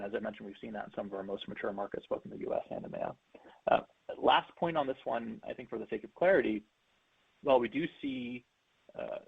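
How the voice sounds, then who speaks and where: A male company executive on an earnings conference call, explaining business points in a measured, methodical way over a narrow phone line. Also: fairly low pitch, vocal fry, husky, no echo.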